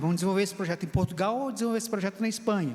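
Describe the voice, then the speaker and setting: A man's high-pitched voice. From Brazil. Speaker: missionary. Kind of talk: testimony. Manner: halting.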